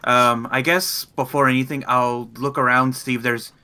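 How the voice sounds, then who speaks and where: Male tabletop player, bright clear-cut tone, practical and measured in casual group planning. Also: mid-range voice, level tone. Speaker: player in a tabletop roleplay game.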